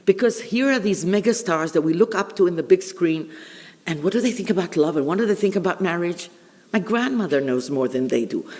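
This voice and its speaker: An older woman from Israel, born in Bulgaria, with an Israeli accent, telling humorous personal stories to an audience in a theatrical, wry way with deliberate pauses. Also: lowish voice, darkish tone. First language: Ladino. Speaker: public speaker, veteran journalist. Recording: reverberant hall.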